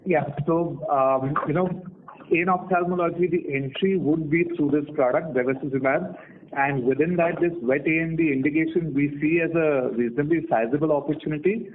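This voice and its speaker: A man's voice: on the high side, normal speed. A male company executive explaining strategy on an earnings call in a methodical way. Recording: noisy narrowband phone line.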